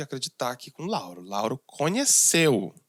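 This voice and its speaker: Pitch swings very widely at a fairly slow pace, with a dry, close sound lacking any echo and a very clean recording over a silent background. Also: man. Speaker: podcast host. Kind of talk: casual chat.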